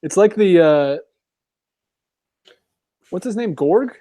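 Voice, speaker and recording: A man with a slightly high but warm, mellow voice chats in a relaxed, wry way and laughs easily. The sound is dry and close, with no room echo. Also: takes it slowly. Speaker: podcast co-host. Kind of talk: casual commentary chat.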